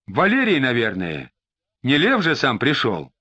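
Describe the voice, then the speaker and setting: A man's voice: medium pitch, huge pitch swings, measured pace, sharp tone, exaggerated voice. A man voicing a frightened, tearful middle-aged suspect who pleads and snaps irritably. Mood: agitated. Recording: slightly dull lo-fi recording.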